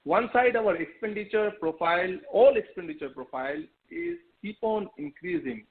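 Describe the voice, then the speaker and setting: A man's voice: high-pitched, expressive, normal speed, gravelly. Man calling in, tinny phone line. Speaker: investor caller asking questions. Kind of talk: question on an earnings call. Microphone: telephone call.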